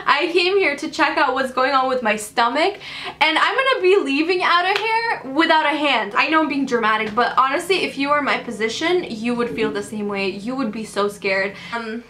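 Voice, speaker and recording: Young female vlogger, dramatic storyteller, bright tone, echoey room. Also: sits high, moderate pace, a little hiss or hum. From Canada. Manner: dramatic, animated retelling with many fillers. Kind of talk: storytime vlog.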